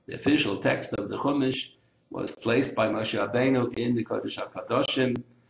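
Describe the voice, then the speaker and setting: Audible room echo hangs around the voice. A man delivers his words at a fairly quick pace. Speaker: rabbi teaching. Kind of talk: short lecture. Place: office. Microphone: webcam.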